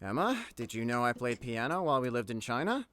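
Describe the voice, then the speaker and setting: An actor playing a sarcastic, easily indignant teenage son in an audio drama. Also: male voice, medium pitch, big pitch swings, fairly quick, fairly bright tone, clear, resonant tone, no echo. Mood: dry, sarcastic.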